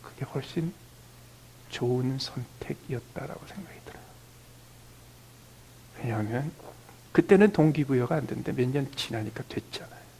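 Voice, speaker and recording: Speaking at a normal speed with lively intonation and long pauses, a creaky-voiced Korean man in his fifties delivers a sermon as pastor. Key phrases sink almost to a whisper, while quoted family dialogue comes out higher and louder; the audio is poor, with slight background noise.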